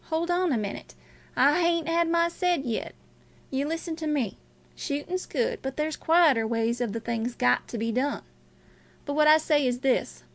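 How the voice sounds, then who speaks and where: Casting: cool male criminal schemer female reader, high register, deliberate rustic dialect, audiobook villain. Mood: scheming. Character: Packard, cool calculating male river criminal.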